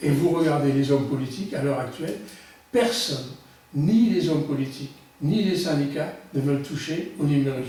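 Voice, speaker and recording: A man with a fairly high pitch and ordinary pitch variation speaks at a moderate pace, with long, frequent pauses. Noticeable background noise and audible room echo fill the recording. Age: 60s. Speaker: general practitioner doctor. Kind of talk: interview. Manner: hesitant, repeats words.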